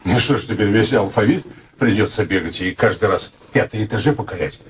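An actor playing a brash, grumbling middle-aged man in a radio play, wordy and halting with mock-formal courtesy. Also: lowish voice, slight background noise, natural voice.

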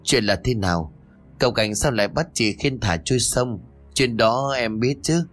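A man's voice: mid-range voice, normal speed, soft background music, natural voice. A man voicing a protective middle-aged village matriarch who speaks firmly yet soothingly. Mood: anxious.

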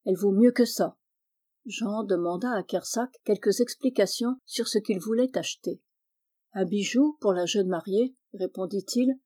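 A woman reading a classic novel aloud, narrating steadily and clearly. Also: mid-range voice, mellow. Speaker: audiobook reader.

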